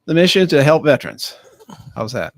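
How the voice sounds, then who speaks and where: A man answering questions on a radio show as a guest, speaking haltingly with many fillers and restarts. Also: a little high, very animated, no room sound. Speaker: county veterans affairs officer, studio guest. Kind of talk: casual radio interview. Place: radio studio. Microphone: studio microphone.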